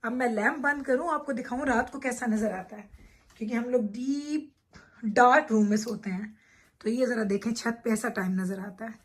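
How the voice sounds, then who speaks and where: A woman's voice: a little high, husky. A woman chatting casually to her viewers as she gives a tour of her bedroom at night, speaking into a handheld phone. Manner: chatty, addresses viewers directly while showing things. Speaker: vlogger giving a room tour. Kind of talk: casual home vlog talk. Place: home bedroom at night, indoors.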